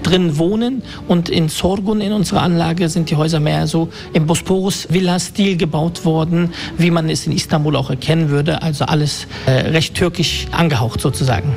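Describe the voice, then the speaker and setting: A man's voice: on the high side, fairly even intonation, moderate pace, gravelly, hardly any pauses, a little mellow, a little hiss or hum. A man from Germany, a resort manager, explaining things fluently with occasional hesitations in an interview. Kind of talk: interview answers. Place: holiday resort in Turkey.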